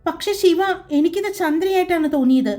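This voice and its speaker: A woman doing an eager young detective in a spoken drama, high and urgent as he presses for answers. Soft music sits behind the voice. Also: fairly quick. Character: tense young male crime branch detective.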